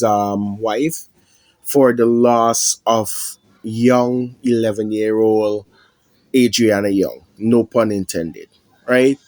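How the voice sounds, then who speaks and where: A man with a Guyanese accent, hosting his own channel from home, speaking in a heavy, halting way with many pauses and fillers. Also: fairly low pitch, a little mellow, dry recording. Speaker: MMA prediction channel host. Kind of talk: somber direct-to-camera talk. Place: at home indoors.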